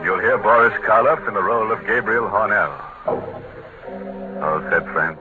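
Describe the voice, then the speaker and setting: Speaking at normal speed in a fairly low pitch, a man hosts and announces a 1940s horror radio show. The broadcast sounds muffled and carries music, while he leans into mock-menace and grim humor.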